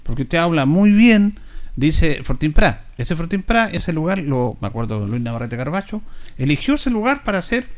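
A man's voice: fairly high pitch, sing-song, moderate pace. A man with a Chilean Spanish accent hosting a casual sports talk show, emphatic and repeating key phrases.

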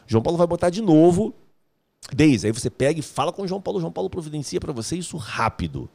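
Male live-stream host, slightly high and very animated voice, slangy and joking with the chat. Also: fast talker, creaky. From Rio de Janeiro, Brazil. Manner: energetic, slangy, joking, calls viewers "meu brother". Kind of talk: casual live-stream chat reading viewer comments.

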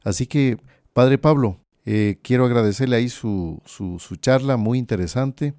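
A man's voice: mid-range voice, moderate pace, warm tone, dry recording, clean studio sound. A man who is a Catholic priest, speaking reflectively in a casual podcast conversation and often checking in with a short question.

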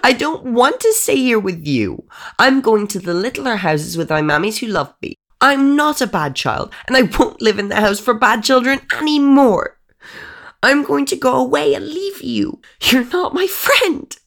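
A man voicing a frightened little girl who shouts back in defiance, in a storybook reading. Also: extremely high pitch, lively intonation, a little slow, vocal fry, pitched above the performer's own voice, full character voice. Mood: defiant. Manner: shouting, pleading.

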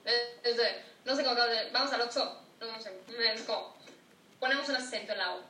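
A young woman from Yucatán with a Yucatecan accent, a podcast guest chatting casually and teasing with a quick laugh. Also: a little high, bright, forceful tone. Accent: Yucatecan Spanish. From Yucatán, Mexico. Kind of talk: casual chat. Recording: echoey room, distant mic, faint noise.

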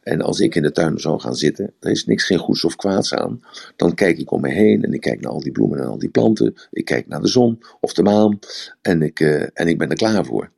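Super deep husky guy rambling on about communication, lots of repeats. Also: a little mellow. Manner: explanatory, rambling, repeats words. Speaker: speaker on communication. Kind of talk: live audio room talk.

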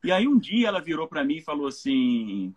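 A man's voice: a little high, big pitch swings, fairly quick, dull audio. A Brazilian man, a pastor, speaking earnestly in a live church talk and often checking in with his listeners. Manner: earnest, keeps checking in with "né?" and "entende?".

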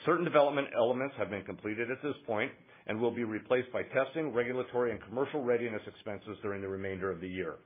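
Husky man reading on a muffled phone line. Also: medium pitch. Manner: formal, measured reading of figures. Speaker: company finance executive. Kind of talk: scripted financial report on an earnings call. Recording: muffled, narrow phone-line conference audio.

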